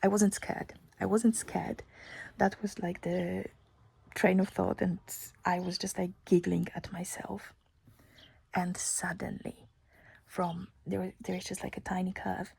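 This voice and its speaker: A woman's voice: lowish voice, flat delivery, a little slow, vocal fry, a little mellow, breathy edge. A young woman whispering a casual personal story close to the mic, chatty and giggly.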